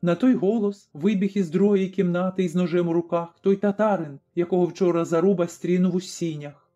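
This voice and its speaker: A man reading an audiobook story aloud in a measured, dramatic narration. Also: high-pitched, steady tone, dark tone. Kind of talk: scripted narration. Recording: slightly dull recording, faint music.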